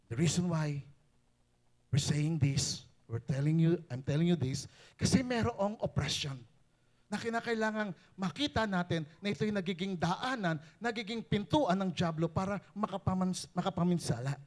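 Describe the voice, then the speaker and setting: Pastor guy preaching, high voice, gets loud and punchy, flips between tagalog and english. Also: expressive, normal speed. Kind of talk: sermon.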